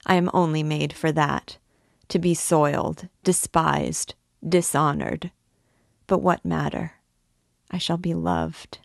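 A woman's voice: fairly low pitch, vocal fry, no room sound, studio quality. A woman voicing an impassioned, self-abasing young gypsy dancing girl with imploring, melodramatic devotion in an audiobook. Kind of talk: dramatised audiobook reading of a classic novel.

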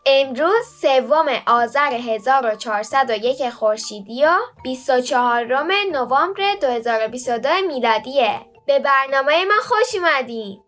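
A woman hosting a children's story program and narrating in a clear, friendly way. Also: high voice, animated, hardly any pauses, fairly bright tone. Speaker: show host and storyteller.

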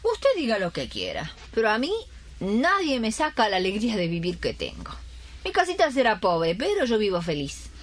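A woman's voice: medium pitch, huge pitch swings, moderate pace. A woman playing a cheerful, contented and devout older pensioner in a radio drama.

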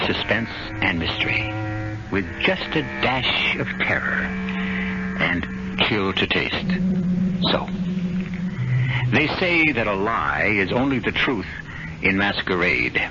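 A man's voice: fairly low pitch, big pitch swings, slow, pauses often, background noise. Ominous man hosting a radio mystery. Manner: ominous, dramatic, rhetorical. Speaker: radio drama host. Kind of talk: theatrical scripted narration. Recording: dull lo-fi vintage radio recording with loud music.

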